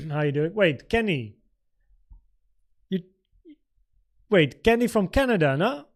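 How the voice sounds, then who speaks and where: Male livestream host, 30s, native Dutch speaker, slightly high voice, informal market commentary and Q&A, thinking aloud. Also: very animated, slow pace. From the Netherlands.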